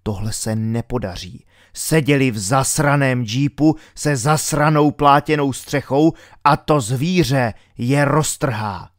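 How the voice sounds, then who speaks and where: A male audiobook reader tells a thriller with steady, dramatic delivery. His voice sits at a middle pitch and is recorded close and dry, with no room sound. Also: few pauses, no echo. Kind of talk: audiobook narration.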